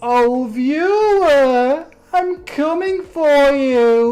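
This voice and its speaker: A put-on character voice, high in pitch, at a very slow pace. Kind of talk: theatrical villain. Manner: creepy, menacing.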